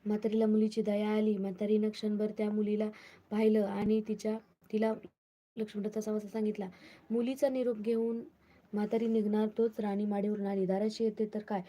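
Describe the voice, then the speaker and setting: A woman reading a devotional folk tale aloud in a steady, plain recitation with small restarts. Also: medium pitch, brisk, poor audio. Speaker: storyteller.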